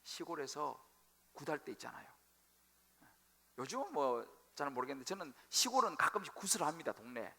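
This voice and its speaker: A male pastor preaching a sermon, telling the story with animated, acted-out quotes. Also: on the high side, brisk, creaky, slightly rough. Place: church sanctuary.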